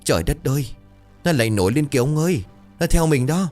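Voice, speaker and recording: A man voicing a frightened old wife who begs her husband in a shrill, panicky voice. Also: animated, brisk, soft background music, close to an everyday voice. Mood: terrified. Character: terrified old village wife, pleading.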